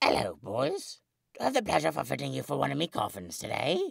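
A man talks at a fairly quick pace in a put-on character voice.

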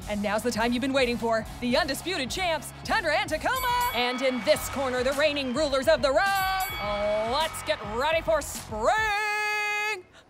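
Over clear music in the background, a man talks at a moderate pace. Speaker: ring announcer. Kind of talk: TV commercial read. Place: shop.

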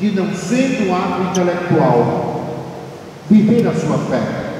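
A man's high-pitched voice sounds through strong room echo with light background noise. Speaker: bishop. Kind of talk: sermon (homily) at a novena. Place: church.

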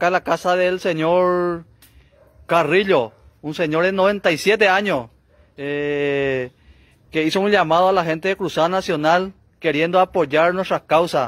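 A man speaks in a high pitch at a fairly slow pace, with long, frequent pauses and ordinary pitch variation. The background is quiet and the sound dry with no echo. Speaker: political interviewer. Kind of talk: field interview. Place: garden.

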